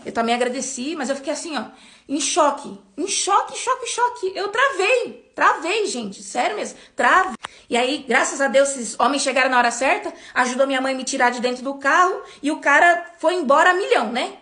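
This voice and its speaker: A young Brazilian woman in her twenties shares a personal faith testimony in a high voice. She tells it in an animated way, repeating words for emphasis. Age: 20s. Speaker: church member giving testimony.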